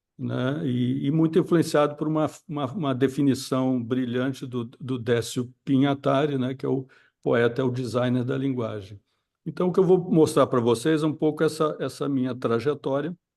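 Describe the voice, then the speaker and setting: A man's voice at medium pitch with a dark, mellow tone, moderate pace and ordinary pitch variation, over a quiet background. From Brazil, São Paulo and Rio de Janeiro. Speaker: poet and graphic designer. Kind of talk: online talk presentation. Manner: halting, many repetitions and fillers.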